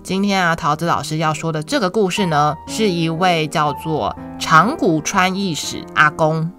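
A woman with a Taiwanese Mandarin accent hosts a children's story show, reading a picture book as if to a toddler in a sing-song way, with drawn-out words and questions to young listeners. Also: deep voice, a bit bright. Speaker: children's storytelling podcast host. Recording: music behind the voice. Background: instrumental music.

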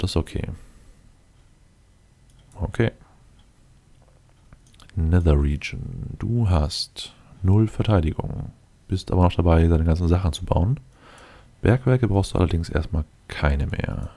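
This let's player has a deep, warm voice with vocal fry. He plays casually and comments as he goes, muttering and thinking aloud, and now and then talks straight to his in-game units.

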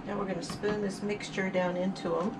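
A woman's voice: mid-range voice, little pitch movement, brisk, heavy background noise. A middle-aged woman hosting her cooking channel, chatting through each step as she cooks in her home kitchen. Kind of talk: casual cook-along narration.

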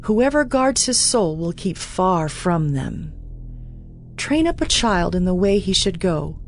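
A woman reading scripture aloud as a dramatized audio Bible narrator, with composed, deliberate delivery. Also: fairly low pitch, big pitch swings, slight background noise. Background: background music.

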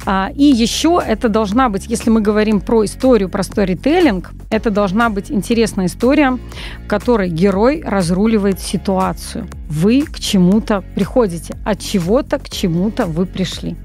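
A woman in her forties, a copywriter guest on a radio talk show, telling stories in an animated way with frequent hesitations, speaking into a studio microphone. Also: medium pitch, moderate pace, faint music behind. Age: 40s. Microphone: large studio mic on boom arm, wearing headphones.

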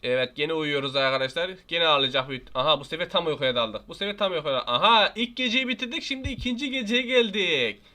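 A young Turkish-accented man gives excitable let's-play commentary in a high, bright voice. He jokes, scolds and playfully threatens what he sees on screen, talking fast and loosely as he plays. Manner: excitable, jokey, talks to the game baby and threatens it playfully. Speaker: gaming YouTuber.

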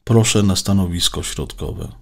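A man's voice: deep voice, unhurried, voice pushed up. A man voicing a ship's scout computer that gives curt, formal reports.

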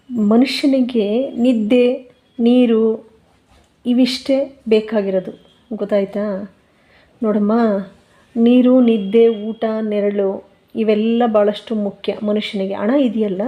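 A woman voicing a gentle young husband who coaxes and consoles his wife in a soft, preachy tone. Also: medium pitch, little pitch movement, slow, long pauses, natural voice. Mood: coaxing. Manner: soothing, coaxing, preachy.

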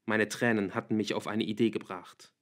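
A man narrating an audiobook in an even, measured reading. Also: lowish voice. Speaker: audiobook reader.

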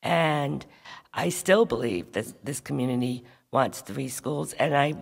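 Gravelly councilwoman in a big echoey hall. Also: extremely low pitch, a little slow. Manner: firm, insistent, repeats points. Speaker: town council member. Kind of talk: public meeting remarks. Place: large school auditorium. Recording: long hall reverb.

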